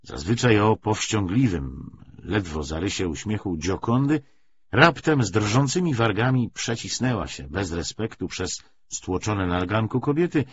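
A male narrator reads literary prose with measured expression. His voice is on the low side and a bit husky, with a lively melody. The recording sounds slightly dull. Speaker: audiobook narrator.

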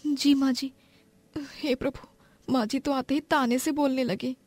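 A woman voicing an anxious, timid young bride in an animated family drama, with an Indian accent. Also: high-pitched, a little slow, no room sound. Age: young adult.

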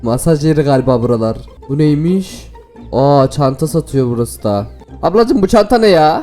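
A man hosting a gaming video, giving excited, playful commentary to viewers and laughing often. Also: on the high side, moderate pace, faint music behind.

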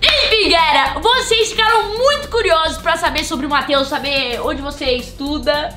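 A nineteen-year-old woman hosting her channel, chatting and teasing a friend in a casual question-and-answer session on a studio sofa. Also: sits high. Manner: giggly, teasing, quick banter. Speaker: channel host. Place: indoor studio set with yellow sofa. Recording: echoey room with loud background music.

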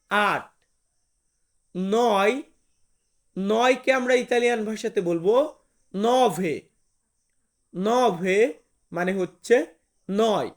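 A man with a high voice teaches a language lesson, drilling each item slowly and repeating it. He stops often to recap what came before. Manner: slow, repetitive drilling with frequent recaps.

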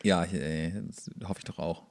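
A man's voice: low voice, fairly even intonation, measured pace. A young man chatting casually as a podcast co-host, commenting on a show with joking, sarcastic remarks. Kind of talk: casual chat and commentary while watching a show.

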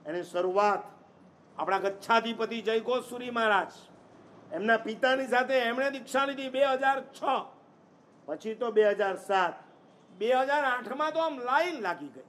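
A man's voice: very high-pitched, normal speed, a bit bright, a little hiss or hum. A man preaching a sermon, telling stories emphatically and quizzing the audience with rhetorical questions. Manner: storytelling, emphatic delivery.

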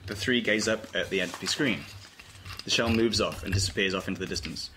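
A man with a fairly low voice narrates stage directions from a script. It sounds like an informal table read, with faint noise in the recording. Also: a little fast. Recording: noisy informal room recording.

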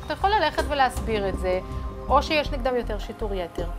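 A woman's voice: on the high side, expressive. A woman speaking earnestly in an interview, arguing her point with frequent fillers. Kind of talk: interview talk. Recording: music bed underneath.

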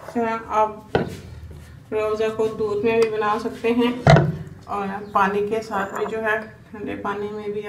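A Pakistani woman with an Urdu accent hosting a cooking channel, walking through a recipe step by step in a homely way and leaning on the same filler phrase again and again. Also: mid-range voice. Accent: Urdu-speaking Pakistani. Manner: homely, repeats filler "jo hai" constantly. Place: home kitchen. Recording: echoey, distant kitchen recording with faint hiss.

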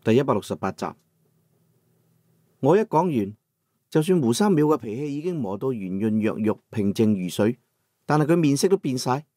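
A man with a Cantonese accent narrating a novel in the first person, in an expressive, dramatized storytelling manner. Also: mid-range voice, moderate pace, pauses often, no echo, studio quality. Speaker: audiobook narrator.

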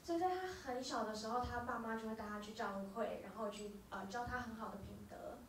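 Quick interpreter woman in an echoey room. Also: a little high, a little hiss or hum. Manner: quick, with filler hesitations. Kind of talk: live consecutive interpreting. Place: small dark music venue. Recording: roomy venue, from far off.

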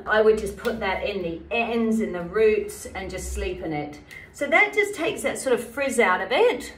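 A middle-aged woman with a New Zealand accent, chatting brightly through a hair tutorial at home, laughing often. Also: a little high. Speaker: beauty vlogger. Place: bright home bathroom, indoors. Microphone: camera a few feet away. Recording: echoey bathroom, mic far off, loud noise. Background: hair dryer noise.

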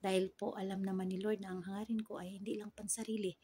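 A middle-aged woman with a Filipino accent and a husky voice, speaking earnestly as she leads Christian devotion for online viewers. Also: medium pitch, level tone, fast talker, mellow. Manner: earnest, pleading, repeatedly addressing God. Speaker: online Christian prayer leader. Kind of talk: devotional prayer and exhortation to viewers. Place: small indoor room. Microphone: phone at arm's length.

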